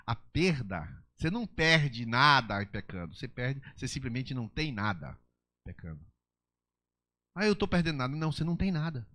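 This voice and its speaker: Impassioned pastor preaching. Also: male voice, medium pitch, sing-song, moderate pace. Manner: impassioned, swings between loud exhortation and soft pleading. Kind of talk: sermon. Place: church service.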